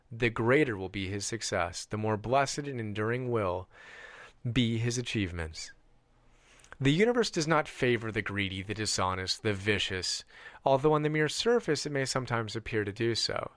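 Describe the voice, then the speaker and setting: A man reading a self-help audiobook in a measured, deliberate way, stressing contrasts. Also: mid-range voice, fairly bright tone, no room sound. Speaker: audiobook reader.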